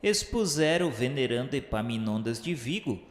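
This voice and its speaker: An actor with a Brazilian accent playing a solemn male spirit narrator in a radio drama, speaking in formal, measured, declamatory literary phrases. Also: medium pitch, very animated, close to an everyday voice. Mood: grave, sorrowful. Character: solemn male spirit recounting his afterlife studies and remorse. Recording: echoey hall reverb under music. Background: background music.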